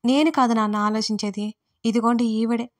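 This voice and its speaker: A woman's voice: fairly high pitch, steady tone, brisk, close to an everyday voice. A woman voicing a hurt, demanding adult daughter who confronts her parents in an audiobook family drama. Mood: angry. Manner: reproachful, emotional. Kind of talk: audiobook role reading.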